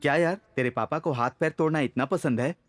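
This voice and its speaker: A voice actor dubbing a brash, teasing young friend in a film. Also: male voice, fairly high pitch, quick pace, faint music behind, lightly acted.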